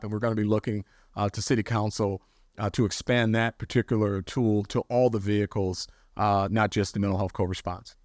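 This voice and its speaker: A man's voice: fairly low pitch, no room sound, clean studio sound. A man who is a police chief, giving remarks at a press conference with many fillers and restarts. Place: city press briefing room.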